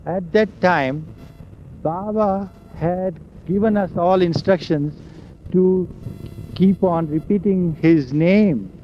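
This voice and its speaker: An older man, slowly recalling old memories in an oral history interview, with a loud voice. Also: high voice. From India. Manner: slow, halting storytelling of memories. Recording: dull lo-fi recording with faint hiss and vehicle sounds.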